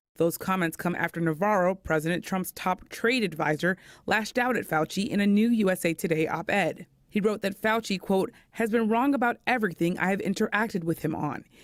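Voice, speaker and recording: A woman with a plain, everyday voice talks at a fairly quick pace with very even loudness and ordinary pitch variation, recorded very cleanly against a silent background with a dry, close sound and no echo. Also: medium pitch for a woman. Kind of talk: news report voiceover.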